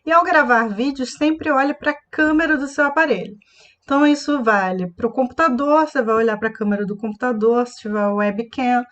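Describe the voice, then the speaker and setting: A woman's voice: on the high side, dull audio. A woman voice coach teaching a live online class, speaking expressively and showing different tones of voice as she explains.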